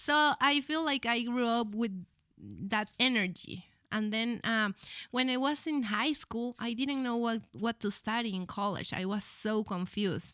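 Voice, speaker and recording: A woman with a Spanish accent speaks at a moderate pace. Her pitch is fairly high, with ordinary variation. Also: very clean recording, silent background. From Venezuela. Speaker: travel video creator. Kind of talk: casual chat. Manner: halting.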